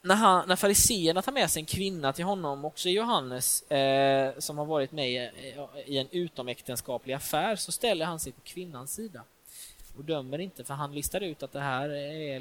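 A man's voice: a little high, a bit bright. Casual hesitant male preacher. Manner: informal, hesitant with fillers and restarts. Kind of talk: sermon.

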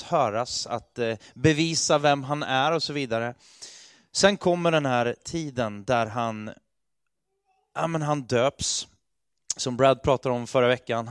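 A man's voice: fairly high pitch, no room sound, studio quality. A man giving a sermon in a conversational manner, with many fillers and restarts. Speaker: preacher.

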